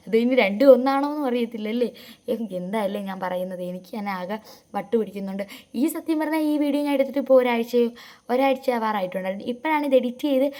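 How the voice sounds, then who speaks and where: A Keralite woman records a voice-over for her family vlog, rattling along at a rapid clip in a mellow, darkish tone. She pitches her voice a little high and talks in a rambling, chatty way, with frequent asides to her viewers. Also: animated. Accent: Keralite Malayalam. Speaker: vlogger. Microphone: close voice-over mic.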